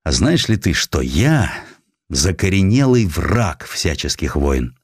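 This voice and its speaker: Male reader as headstrong army general, low voice, animated delivery, blunt, passionate, audiobook drama. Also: takes it slowly, breathy edge, dry recording, clean studio sound, exaggerated voice. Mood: earnest. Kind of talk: audiobook character acting.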